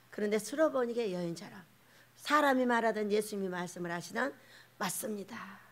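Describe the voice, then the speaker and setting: A woman pastor delivering a lively Sunday sermon, swinging between loud exclamations and hushed asides, often laughing as she tells stories. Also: sits high.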